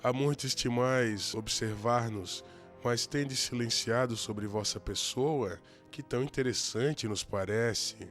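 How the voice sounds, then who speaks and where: An actor in a radio drama playing a brash gambler, theatrical and mockingly courteous. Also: male voice, medium pitch, takes it slowly, a bit bright. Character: brash, taunting male gambler who lost everything. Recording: faint music under the voice.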